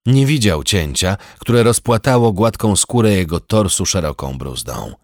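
A man narrating a historical novel as an audiobook, in a measured, steady, dramatic storytelling manner. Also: low voice, no echo, studio quality.

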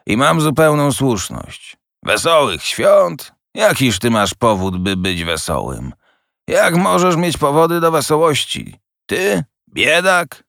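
A scornful old miser with a slow, biting grumble, as a man reads him. His voice climbs and dips as he scolds, with a dry sound. It is an old storybook read aloud. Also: on the low side, sing-song, fairly bright tone, smooth, no room sound, full character voice.

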